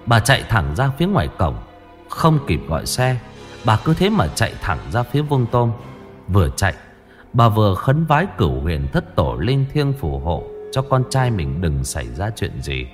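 A man narrating a ghost story in a lively way. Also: lowish voice, moderate pace, soft background music.

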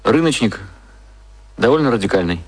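A male actor in a radio drama playing a hungover, cynical advertising copywriter, terse and deadpan. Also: on the low side, moderate pace, husky. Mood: dryly confident.

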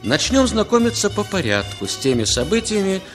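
Male narrator for a radio play, animated delivery, soft music underneath. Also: high voice. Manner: measured, theatrical, lively delivery.

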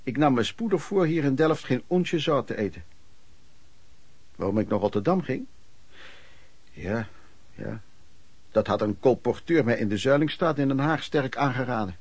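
A man's voice: mid-range voice, expressive, moderate pace, pauses often, darkish tone, slightly rough, no room sound. An actor in a Dutch radio play playing a wry, plain-spoken pedlar recounting his wanderings. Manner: colloquial, matter-of-fact storytelling. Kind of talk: dramatised first-person narration.

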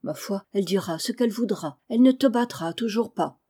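A woman reading aloud, voicing a good-hearted, quick-witted maidservant. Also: mid-range voice, warm tone, husky, close to an everyday voice. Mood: kindly. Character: kindly clever maidservant.

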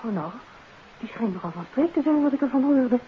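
An actress playing a detective's inquisitive, sympathetic wife in a 1950s radio drama, asking questions with gentle concern. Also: female voice, sits high, animated, fairly quick, narrow, tinny audio. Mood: curious, concerned. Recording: thin, band-limited, noisy old radio recording.

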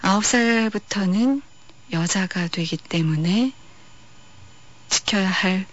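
A woman hosting a radio film-music show, talking about films in a calm, reflective, unhurried way. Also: medium pitch. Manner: calm, reflective, unhurried delivery with soft pauses. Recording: dull lo-fi radio archive.

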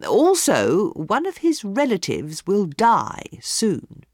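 A woman voicing a sly, nervous older male palmist who speaks low and evasively. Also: wildly swooping pitch, slow, a little mellow, dry recording, studio quality, heavily acted.

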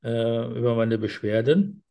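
A man's voice: medium pitch, fairly even intonation, measured pace, creaky, warm tone. A man playing a seventy-year-old male patient who describes his breathlessness hesitantly and at length, with many fillers. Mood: explaining. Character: elderly male patient, short of breath, chatty. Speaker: role-play patient in a medical exam practice. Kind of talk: simulated doctor-patient interview.

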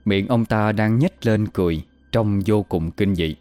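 A man telling a horror story in slow, even, suspenseful narration. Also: fairly low pitch. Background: faint music.

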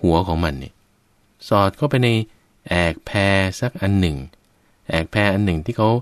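Low-voiced man giving a Buddhist sermon. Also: expressive, normal speed, dry recording, clean studio sound. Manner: addresses listeners as "ท่านผู้ฟัง", explains with everyday examples. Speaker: Buddhist preacher.

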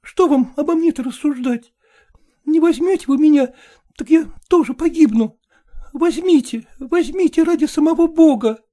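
A man doing a desperate young wife, high and pleading. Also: normal speed, mellow, close to an everyday voice. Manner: pleading, insistent, tearful.

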